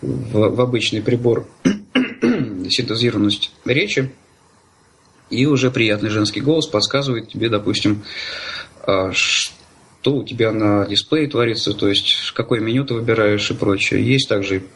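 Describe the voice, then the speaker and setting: Low-voiced man answering haltingly. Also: a bit bright, breathy edge. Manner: halting, hesitant, searching for words. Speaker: interview guest, blind user of assistive technology. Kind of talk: conversational interview answers.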